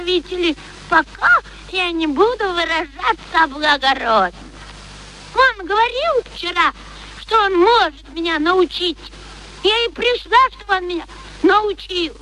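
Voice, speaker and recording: A woman's voice: extremely high pitch, bright, forceful tone, full character voice, low-quality recording. An actress playing a brash, touchy young flower girl in a theatrical radio play, whining and indignant. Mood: indignant, pleading. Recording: old radio recording, faint noise.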